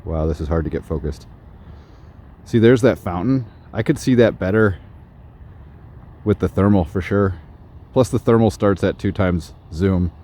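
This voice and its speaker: A man reviewing gear in a casual night vlog, walking outdoors in a suburb and talking excitedly about what he sees. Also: deep voice, unhurried, pauses often. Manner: excited, narrating while walking. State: slightly out of breath.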